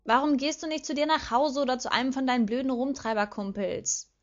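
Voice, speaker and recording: A woman voicing a grumpy, sharp-tongued teenage witch in a fan fiction audiobook, speaking in a sulky, snappish way. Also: sits high, steady tone, fairly quick, voice pushed up, lightly acted. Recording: slightly dull lo-fi recording.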